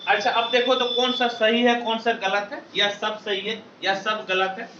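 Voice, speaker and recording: A man's voice: sits high, flat delivery, normal speed, bright, forceful tone, slight background noise. A man teaching maths to a class, drilling students with call-and-response questions. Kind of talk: classroom lecture. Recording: echoey classroom, distant lo-fi mic.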